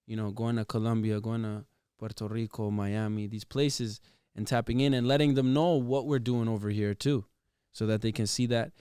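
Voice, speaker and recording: A man's voice: on the low side, fairly even intonation, measured pace, few pauses, mellow, clean tone, dry recording, clean studio sound. A man from Toronto chatting casually as an interview guest, switching between Spanish and English. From Toronto, Canada. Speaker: guest music artist. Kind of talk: casual bilingual interview chat.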